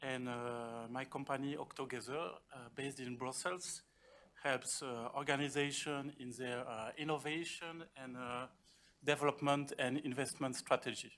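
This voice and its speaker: A man from France with a French accent, introducing himself informally as a panelist, with halting phrasing. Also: mid-range voice, steady tone, fairly bright tone. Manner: halting, hesitant delivery. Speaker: panelist, company director.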